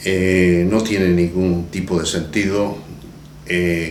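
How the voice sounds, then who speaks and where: A man speaks with a very deep, low pitch and fairly even intonation, with audible room echo and noticeable background noise. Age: 70s. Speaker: former militant. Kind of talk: testimony. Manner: halting; formal.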